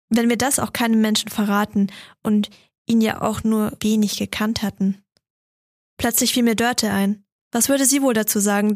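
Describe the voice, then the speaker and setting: Calm woman reading a Christmas story. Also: on the high side, no echo, studio quality. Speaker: reader. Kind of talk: audiobook narration of a Christmas story.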